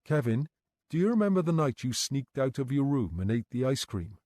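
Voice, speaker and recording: A man voicing a calm, patient male detective who questions people gently and in a measured way. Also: mid-range voice, dry recording, studio quality, natural voice.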